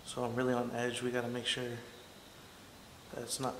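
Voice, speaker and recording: A young man, an urban explorer, narrates a vlog for his handheld camera mic as he walks through a large, empty house, awed and on edge, calling into rooms and dropping to a whisper. His medium-pitched voice stays flat and fairly level at a normal speed. Echo rings through the bare rooms over a faint mic hiss.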